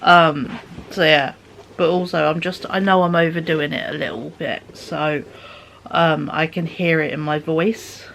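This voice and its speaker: A woman's voice: low-pitched, fairly even intonation, measured pace, creaky, fairly bright tone, a little hiss or hum. A woman vlogging from home into a phone at arm's length, chatting in a rambling way with lots of fillers and dips into whispers, her voice sounding tired. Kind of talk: chatty vlog monologue.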